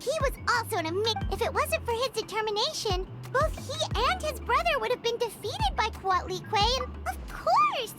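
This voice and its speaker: A woman voicing a tiny, excitable female fairy companion who talks about herself in the third person, in a game. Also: very high voice. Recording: game audio with loud music.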